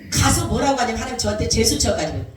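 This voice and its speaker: A woman's voice: a little high, very fast, crowd noise. A woman pastor telling a personal testimony in a sermon, acting out what people said. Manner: animated storytelling, acting out quoted voices. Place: church sanctuary. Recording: echoey church hall mic from a distance.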